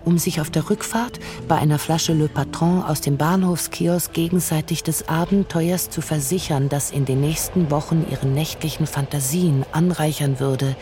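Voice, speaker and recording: Guy narrating a radio play, calm and measured, music under it. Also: fairly high pitch. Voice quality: measured, literary. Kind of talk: scripted literary narration.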